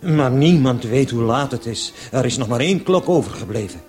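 An actor playing an eager, flustered and deferential police constable in a radio play, hesitant and officious. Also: male voice, medium pitch, animated, brisk, darkish tone, faint music behind, close to an everyday voice. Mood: flustered, chatty. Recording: noisy old radio play recording.

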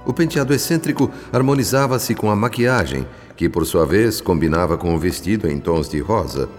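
An actor playing a solemn, literary narrator of a Brazilian radio drama, with a Brazilian accent. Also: male voice, sits low, lively intonation, moderate pace. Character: solemn male spirit narrator, literary and judgmental. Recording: long reverb, faint music behind.

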